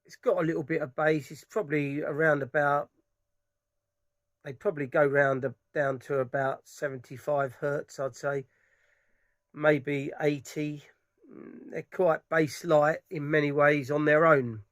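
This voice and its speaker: A middle-aged man talks casually about his speakers, circling back and restarting as he goes. His voice sits a little higher than most men's. The recording is dry and close, with no room sound. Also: fairly even intonation, a little slow, fairly bright tone, no echo. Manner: rambling, enthusiastic, many restarts. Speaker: audio hobbyist vlogger. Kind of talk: casual product impressions. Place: dark room at home.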